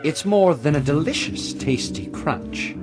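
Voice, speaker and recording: Casting: oddball formal rhymer for a game cutscene, measured and stilted, very lilting. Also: male voice, on the high side, expressive, music in the background. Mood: polite, theatrical. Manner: stilted, sing-song rhyming, formal. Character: eccentric man who speaks only in rhyme, formal interpreter.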